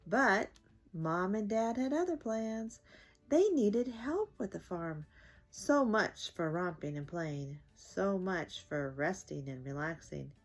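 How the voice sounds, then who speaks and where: A woman's voice: on the low side, animated, takes it slowly, soft background music. An older woman hosting a children's story time, reading aloud expressively to young listeners.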